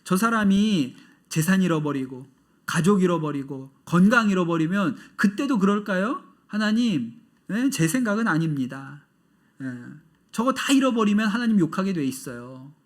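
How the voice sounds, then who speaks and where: A preacher voicing sly Satan, high-pitched. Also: male voice, lively intonation, moderate pace. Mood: insinuating. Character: sly male Satan accusing.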